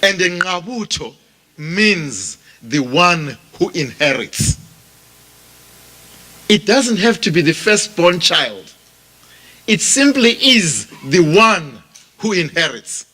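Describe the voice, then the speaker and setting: A man with a Zimbabwean accent preaching a sermon as a pastor, speaking deliberately and repeating phrases for emphasis as he addresses his listeners directly. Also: sits high, very animated, sharp tone. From Bulawayo, Zimbabwe. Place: funeral service before a congregation.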